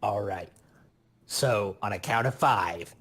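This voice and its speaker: A man's voice: on the low side, takes it slowly, a bit bright, breathy edge. A man playing a tabletop roleplaying game, speaking in casual in-character banter.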